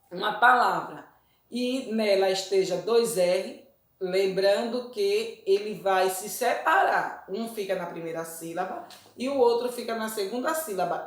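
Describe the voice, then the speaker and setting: A woman teacher giving a recorded lesson, explaining rules patiently and often checking that her students follow. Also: mid-range voice. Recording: roomy echo.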